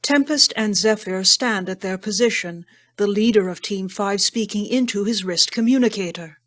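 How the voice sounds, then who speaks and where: A woman's voice: medium pitch, moderate pace, a bit bright. A woman reading scripted scene narration for an audio drama.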